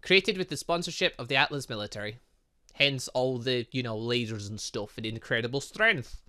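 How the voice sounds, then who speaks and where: Pushed and bright, his medium-pitched voice moves at a moderate pace as he streams himself playing a game. The let's-play commentary rambles, and he keeps cutting in on himself with chuckling asides.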